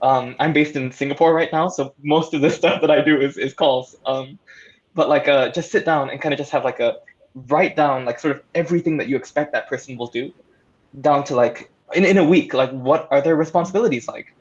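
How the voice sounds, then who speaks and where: A man's voice: fairly high pitch, fairly quick. Casual male panelist, dull lo-fi audio. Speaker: panelist, audio drama maker.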